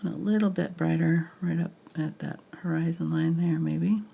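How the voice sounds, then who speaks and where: A woman with a low, husky voice, congested from a cold, guides a live painting tutorial. Her delivery is casual and murmured, trailing off as she works, with a gravelly creak. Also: fairly even intonation, normal speed, lo-fi sound. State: sick with a cold, sniffly, audible breathing. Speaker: painting instructor, live show host.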